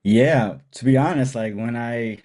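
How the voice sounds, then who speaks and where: A man's voice: medium pitch, unhurried. A man in his thirties, a guest photographer, talking casually with a nasal voice from a cold. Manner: relaxed, rambling with restarts and laughs. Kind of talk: casual podcast chat.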